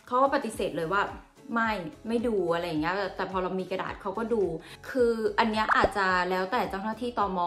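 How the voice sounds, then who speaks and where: Chatty Thai woman vlogger, roomy sound. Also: mid-range voice. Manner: chatty, animated, laughs at herself. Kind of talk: casual storytelling vlog. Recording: roomy echo, faint music.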